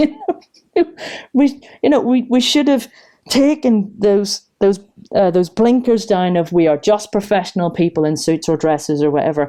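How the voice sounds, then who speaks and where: In a Northern Irish accent, a woman speaks at a moderate pace with a medium pitch and very wide pitch swings. Her tone is dark and mellow, and the recording is very clean with a silent background. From Northern Ireland. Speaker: scientist and company founder. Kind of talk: podcast interview. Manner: animated.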